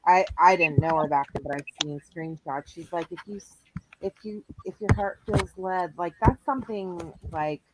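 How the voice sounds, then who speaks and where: A speaker in a casual chat who talks hesitantly and trails off quietly. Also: medium pitch, normal speed. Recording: loud background noise.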